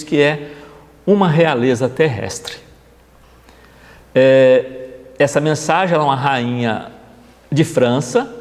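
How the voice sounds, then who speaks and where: A man's voice: mid-range voice, in a large hall. A man gives a conversational gospel study talk, often checking in with his audience. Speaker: spiritist lecturer. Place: spiritist center hall.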